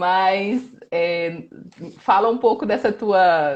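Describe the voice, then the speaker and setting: Speaking very slowly, a woman uses a medium pitch with ordinary pitch variation. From Brazilian Northeast, Campina Grande, Paraíba. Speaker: live stream host, interviewer. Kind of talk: casual interview. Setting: online live stream.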